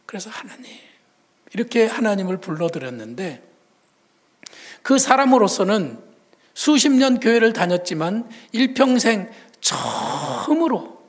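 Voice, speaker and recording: A male pastor delivers a sermon like he's telling a story in conversation, his high, sing-song voice swinging between loud and hushed at a slightly slow pace.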